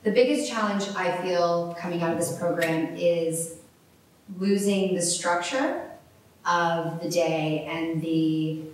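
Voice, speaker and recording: A young woman from Connecticut answers a panel question openly and earnestly, her voice a touch low. She sounds distant from the mic, and the hall around her rings with heavy echo. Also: slow, slight background noise. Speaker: panelist, recent acting graduate. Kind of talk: panel discussion. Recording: echoey hall, mic far off.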